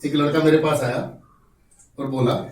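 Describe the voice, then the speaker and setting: A man teaching an acting class, explaining slowly, coaxing his students and acting out examples himself. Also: fairly high pitch, steady tone. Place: acting class room, indoors. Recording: roomy echo from far off, faint noise.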